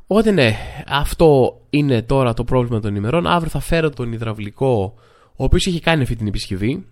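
Guy doing a chatty comic monologue, lots of filler, mimics people mid-story. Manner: animated, acts out other people's lines with jumps in pitch; chatty, full of filler phrases. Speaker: podcast host.

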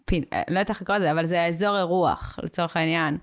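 A woman speaking as a guest in a podcast interview, talking hesitantly with many filler sounds and restarts. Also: on the low side. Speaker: community worker, guest.

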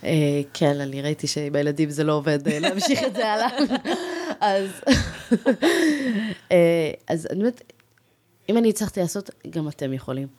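A woman's voice: low-pitched, expressive, mellow. A woman in her thirties, a guest on a casual podcast interview, telling her story in an enthusiastic, chatty way. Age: 30s.

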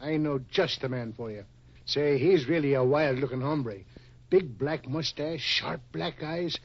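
Helpful cowboy, raspy voice, wry, old 50s radio western, bit muffled. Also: male voice, fairly high pitch, unhurried. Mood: obliging. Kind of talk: 1950s radio western acting.

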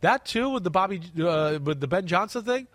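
A man's voice: sits high, expressive, fairly quick, a bit bright, no room sound. A man with a stuffy, congested voice, co-hosting a casual football chat and talking emphatically, tagging "right?" onto his points. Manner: emphatic, repeats words, asks "right?". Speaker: podcast co-host. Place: studio desk close to co-host.

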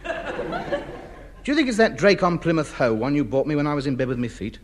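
A man's voice: fairly high pitch, huge pitch swings, moderate pace. An actor in a 1950s radio comedy playing a fussy, pompous man who hoards junk. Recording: old radio recording, noisy.

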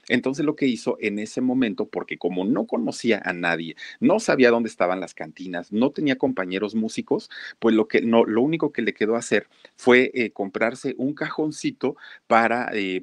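A man tells a story in a relaxed, folksy manner. He keeps turning to his listeners as he goes. The sound is dry and close, with no room echo. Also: lowish voice. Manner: folksy, addresses listeners directly. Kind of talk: casual spoken storytelling.

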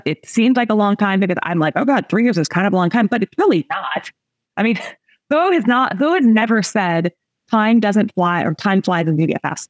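A woman's voice: medium pitch, no room sound. Chatty woman in her forties coaching. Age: 40s. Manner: chatty, laughing, emphatic, addresses audience directly. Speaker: coach and host. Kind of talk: motivational coaching talk to a group.

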